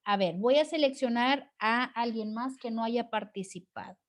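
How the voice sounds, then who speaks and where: Teacher: woman, fairly high voice, encouraging, leads an online class over a video call. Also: moderate pace. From Mexico. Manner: encouraging, frequent "¿verdad?" tag questions.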